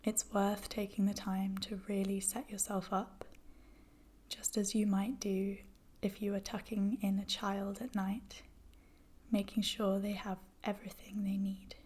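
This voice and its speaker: A woman with a soft, whispery voice guides a meditation in a soothing, gentle, measured manner. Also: medium pitch, completely flat delivery, husky. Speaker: yoga nidra guide.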